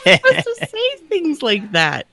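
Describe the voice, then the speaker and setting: A woman's voice: a little high, wildly swooping pitch, a little slow, creaky, pushed and bright, no room sound. A woman in casual, teasing banter as a podcast co-host. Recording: heavy background noise with clicks.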